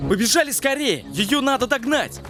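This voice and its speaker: A man's voice: extremely high pitch, lively intonation, normal speed. A man voicing a brave, impulsive boy adventurer in a fairy-tale cartoon, with a bold manner. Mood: alarmed. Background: background music.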